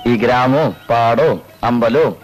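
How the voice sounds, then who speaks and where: An actor playing a smooth young rival astrologer who speaks in a calm, teasing way. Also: male voice, mid-range voice, a little slow, background noise, natural voice.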